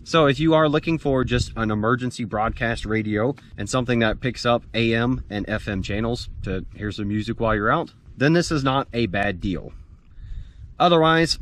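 A man's voice: medium pitch, normal speed, fairly bright tone. An American man in his forties giving a casual, plain-spoken gear review to camera outdoors. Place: outdoors in a dirt clearing among pines.

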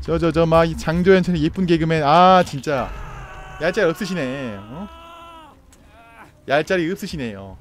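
A young man streaming a horror game, giving excited, playful commentary and jokingly pleading with the killer. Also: on the high side, moderate pace, long pauses, noisy background. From Korea. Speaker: gaming streamer. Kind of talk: excited live gameplay commentary.

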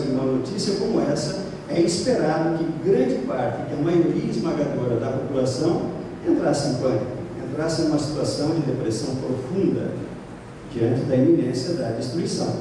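A man's voice: fairly high pitch, lively intonation, normal speed, recorded from a distance, background noise. Middle-aged man lecturing in an echoey hall. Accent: Brazilian Portuguese. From Brazil. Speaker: spiritist lecturer. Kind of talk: spiritist lecture. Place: lecture room at a spiritist center. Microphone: stand mic, filmed from across the room.

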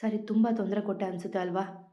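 Affectionate big brother, soft and soothing, read by a woman storyteller, slightly lo-fi. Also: mid-range voice, steady tone, quick pace, echoey room, close to an everyday voice. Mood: coaxing. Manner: gentle, soothing. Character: affectionate, teasing older brother.

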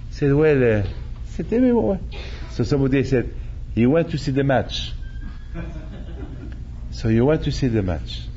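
A man's voice: medium pitch, very animated, normal speed, warm tone, highs cut off, a little hiss or hum. An older man, a rabbi, preaching animatedly, repeating phrases and acting out quotes, speaking into a stand mic in a synagogue hall. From Morocco. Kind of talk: sermon. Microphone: stand mic at chest.

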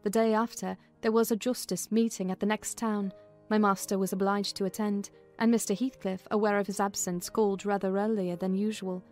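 A woman's voice: medium pitch, little pitch movement, brisk, a little mellow, soft background music. A woman reading a classic novel as scripted, dramatic audiobook narration.

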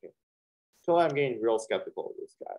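With a gravelly, slightly mellow voice of medium pitch, a young man fast-talks in a sing-song way while hosting a reaction video. He rambles with many fillers and restarts in a small, hot studio with a fan going, and the audio is dull and lo-fi.

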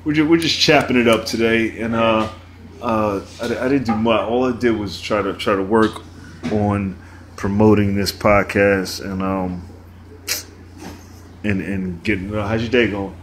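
A man's voice: on the low side, fairly even intonation, a little slow, a little hiss or hum. A man hosting a casual podcast, talking loosely with many restarts and laughs. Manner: loose, rambling, laughs often. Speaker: podcast host. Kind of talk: casual chat.

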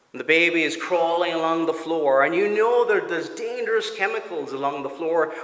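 A male pastor preaching a sermon deliberately and emphatically, posing rhetorical questions and pausing on repeated phrases. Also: fairly high pitch, fairly bright tone. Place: church, preaching from a pulpit. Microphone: gooseneck pulpit microphone. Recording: echoey church hall with long reverb.

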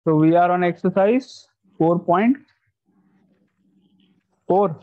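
A man with a South Asian accent teaches maths to pupils in an online class, blending Hindi and English and checking in with short questions. His voice is high and his pace slow. The video-call audio sounds dull and lo-fi.

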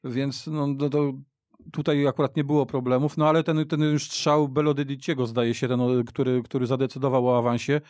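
A man's voice: medium pitch, little pitch movement, fairly quick, a little mellow, dry recording. A man talking football as a radio studio guest, searching for words and often restarting his sentences as he goes on at length. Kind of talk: casual sports discussion.

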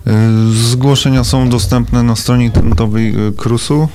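A man taking part as a guest in a radio interview, explaining procedures in halting, formal wording. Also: mid-range voice, steady tone, music in the background. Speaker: guest official. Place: radio studio.

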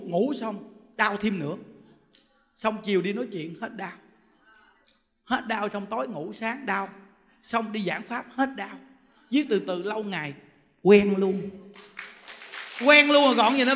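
A man giving a Buddhist dharma talk in a temple hall, telling stories in an animated way, with loud bursts and chuckles. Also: high voice. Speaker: Buddhist monk teacher. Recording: long hall reverb.

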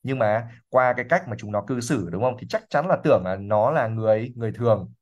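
A man explaining English words during a livestream reading lesson. He repeats words slowly and thinks aloud with fillers. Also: medium pitch, expressive, darkish tone, muffled recording. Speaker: English teacher.

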